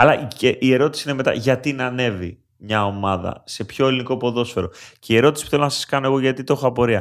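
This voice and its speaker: Speaking very fast, a man holds a medium pitch with ordinary variation on a very clean recording against a silent background. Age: 30s. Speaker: football coach. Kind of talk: casual chat.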